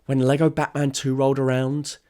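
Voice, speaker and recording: A man's voice: medium pitch, little pitch movement, a little fast, very noisy. A man narrating a scripted video essay in an opinionated, informal and emphatic way.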